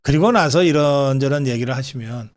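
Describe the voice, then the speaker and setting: A man's voice: mid-range voice, brisk. A man hosting an interview in a conversational style, summing up and prompting his guest. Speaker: interview host.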